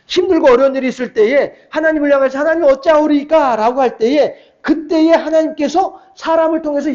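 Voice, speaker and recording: A middle-aged man with an unusually high voice is preaching a weeknight sermon to his congregation. He talks in a relaxed, chatty way and keeps asking the listeners questions. The recording sounds dull and muffled. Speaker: pastor.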